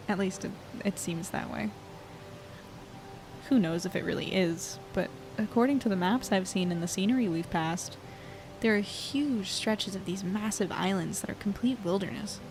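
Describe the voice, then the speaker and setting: A woman's voice: medium pitch, unhurried, music in the background, natural voice. A woman in her twenties playing an earnest young reporter in an audio drama, conversational and hesitant as she thinks aloud. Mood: reflective. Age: 20s. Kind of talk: audio drama, naturalistic monologue and dialogue.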